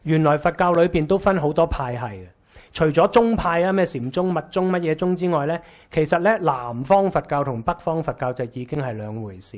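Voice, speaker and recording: A man's voice: fairly high pitch, a little fast. Wry Hong Kong Cantonese man lecturing. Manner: conversational, wry, lively with rhetorical questions. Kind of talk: casual lecture. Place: small lecture room with a projector.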